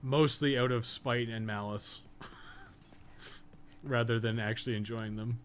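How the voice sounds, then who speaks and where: A man's voice: mid-range voice, slow, slight background noise. Blunt, sweary male game streamer. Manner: blunt, sweary, rambling opinions. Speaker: game streamer and podcast host. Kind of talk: casual live game stream chat.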